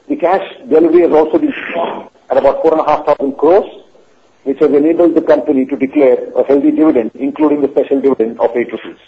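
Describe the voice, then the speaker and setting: A man with an Indian accent giving a formal, measured corporate earnings presentation as a company finance executive. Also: on the high side. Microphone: conference call line. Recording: dull lo-fi conference call audio.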